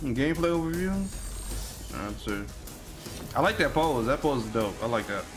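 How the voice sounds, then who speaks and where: A man giving casual, excited reaction commentary over a game trailer, full of slang interjections. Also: mid-range voice, moderate pace. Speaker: gaming reaction host. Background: game trailer music.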